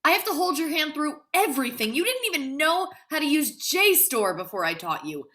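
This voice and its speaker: Woman as an indignant grad student, high and bright. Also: sing-song, brisk, full character voice. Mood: scornful, angry. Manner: sarcastic, incredulous, cutting. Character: indignant young male grad student, proud and sarcastic. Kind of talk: dramatic table read.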